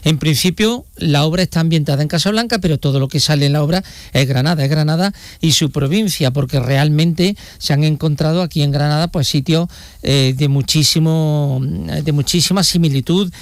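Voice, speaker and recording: A man's voice: fairly high pitch, moderate pace, dry recording, studio quality. A man giving a live regional report, joking and rambling with fillers. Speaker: regional correspondent.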